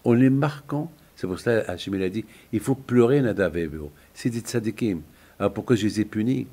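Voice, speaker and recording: A man's voice: fairly low pitch, brisk, warm tone, husky. An older man, a rabbi, delivering an impassioned sermon-like eulogy, emphatic and repeating phrases for weight.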